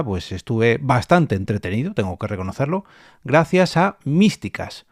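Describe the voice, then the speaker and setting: A man's voice: mid-range voice, no echo, clean studio sound. A man with an accent from Spain hosting a solo podcast, talking casually and directly to his listeners. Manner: conversational, addresses listeners directly. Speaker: podcast host and producer.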